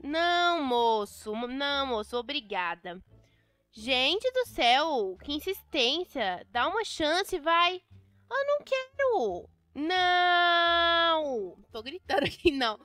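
Bright high-voiced Brazilian woman gamer. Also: very animated, measured pace, no room sound, soft background music. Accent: Brazilian Portuguese. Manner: chatty, dramatic, playfully exasperated. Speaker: gameplay youtuber. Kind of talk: casual gameplay commentary.

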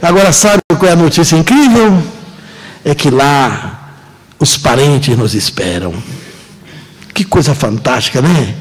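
High, animated Brazilian man lecturing. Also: breathy edge, rough recording. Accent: Brazilian Portuguese. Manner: emphatic, joking, drawn-out dramatic pauses. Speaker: seminar lecturer. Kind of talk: lively lecture to a live audience. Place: auditorium.

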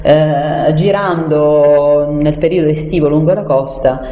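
A woman's voice: sits low, unhurried, warm tone. A woman explaining things as a guest in an unscripted radio discussion, hesitant and searching for words. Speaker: studio guest explaining environmental issues. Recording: echoey room with long reverb.

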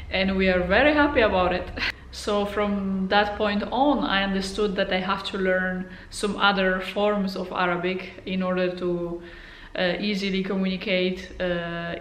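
Chatty Polish woman in an echoey room. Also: mid-range voice. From Poland. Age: 30s. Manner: friendly, chatty, many fillers. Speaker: channel host. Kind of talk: casual to-camera vlog talk. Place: room at home. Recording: roomy echo.

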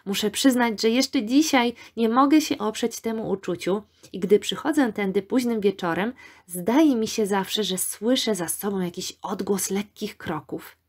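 A woman's voice: mid-range voice, measured pace, husky. A woman reading the part of a dreamy, imaginative young woman student in an audiobook, speaking wistfully and eagerly. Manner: wistful, enthusiastic.

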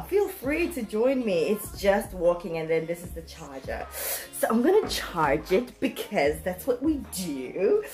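A woman in her thirties chatting casually to viewers in a playful, animated, self-mocking way, recorded at home a step from the camera. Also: medium pitch. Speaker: vlogger. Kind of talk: casual chatty unboxing vlog. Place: room at home.

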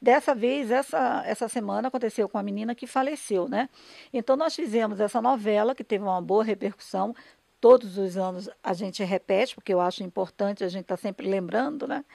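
A woman's voice: medium pitch, fairly quick, creaky, darkish tone, dry recording. A Brazilian woman, a radio dramatist and broadcaster, explaining her work conversationally and earnestly in an interview, often checking for agreement.

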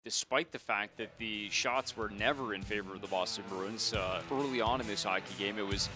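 A man in his thirties hosting a post-game hockey show from a TV studio with a handheld mic. He talks fluently with frequent "uh" fillers as he walks through highlights. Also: moderate pace, over music. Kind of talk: sports post-game analysis. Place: TV studio desk.

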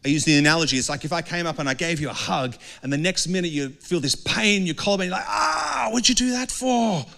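A man's voice: fairly high pitch, quick pace, hardly any pauses, pushed and bright. A middle-aged man preaching a conversational sermon on a handheld mic, often asking the congregation questions. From Australia. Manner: conversational, earnest, asks the crowd questions. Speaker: pastor. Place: dark indoor stage with a couch. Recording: long hall reverb.

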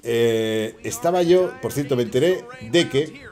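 A man with a Spanish accent giving excitable, swearing live commentary while playing and chatting to viewers. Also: mid-range voice, unhurried, faint music behind. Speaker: gaming streamer. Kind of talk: casual live gameplay commentary.

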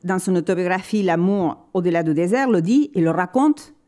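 Woman, lecturer, lowish voice, mellow tone, measured and explanatory, frequent searching pauses. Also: lively intonation. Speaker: conference speaker. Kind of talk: academic lecture at a library event.

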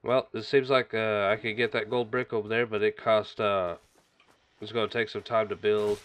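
A man hosting a gaming channel, chatting casually and reacting excitedly as he plays, sniffling from a stuffy nose. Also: on the low side, moderate pace. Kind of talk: casual game commentary.

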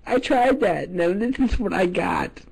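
A man putting on a melodramatic, easily offended gay man who makes a prank phone call, his gravelly voice swinging from mumbling and hesitant to shrill and wailing. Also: lively intonation, measured pace, exaggerated voice. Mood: distraught, indignant. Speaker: prank caller.

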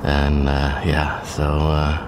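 A man's voice: a bass voice, monotone, slow pace, noisy background. A man in his thirties from Norway, a wildlife photographer talking casually in a vlog from a small forest blind, with many fillers and restarts. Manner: hesitant, many fillers and restarts, hushed at times.

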